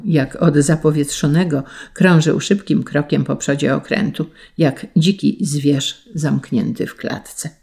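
A narrator reads a classic tale aloud in a measured, solemn way. The delivery is slow and unhurried, with a gravelly texture and a mid pitch. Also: darkish tone. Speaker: audiobook narrator.

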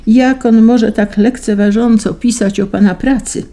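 A woman reading the part of a nervous grown man who stammers and squeaks in a storybook. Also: very animated, slow, mellow, breathy edge, full character voice. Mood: flustered. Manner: stammering, squeaky when scared.

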